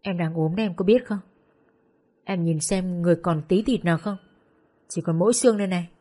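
A woman's voice: on the low side, fairly quick, lightly acted. A woman voicing a caring male doctor who earnestly urges and explains. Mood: urging. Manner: calm, earnest persuading.

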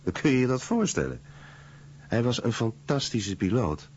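A man acting a fascinated witness in a dramatized radio documentary voice-over. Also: low-pitched. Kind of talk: dramatized Dutch voice-over of testimony. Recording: dull recording with hiss.

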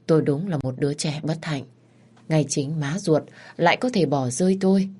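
A woman narrating a dramatic story in the first person, measured and steady. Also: low-pitched, husky.

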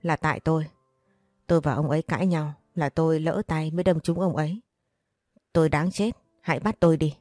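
A woman reading a story voices a frail, fierce and protective elderly grandmother in a low, mellow tone, with pleading, reproachful outbursts. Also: fairly even intonation, fairly quick, no room sound, soft background music. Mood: remorseful.

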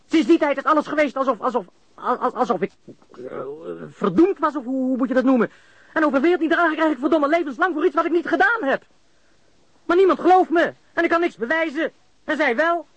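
A man's voice: very high-pitched, expressive, fairly quick, fairly bright tone, no echo, muffled recording. An actor playing a cocky, jittery criminal suspect in a radio drama, stammering, repeating himself and swearing as he confesses. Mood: panicked.

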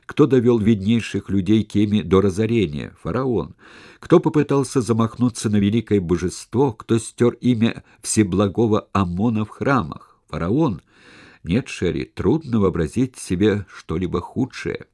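A proud, indignant noblewoman, voiced by a man narrating a novel piles up emphatic rhetorical questions. The voice stays low and mellow, close to the mic in a dry space. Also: lively intonation, normal speed, no echo. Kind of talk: audiobook character reading.

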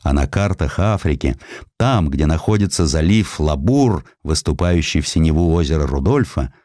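A man reading a historical story aloud as an audiobook narrator, with expressive, dramatic storytelling. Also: a bass voice, moderate pace, no echo, clean studio sound.

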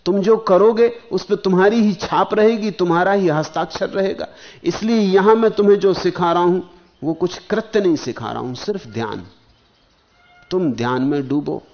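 A man giving a spiritual discourse, speaking in slow rhythmic phrases that swell and sink, and chanting verses slowly. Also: sits high, muffled recording. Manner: slow, rhythmic, rising and falling emphasis. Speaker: spiritual teacher.

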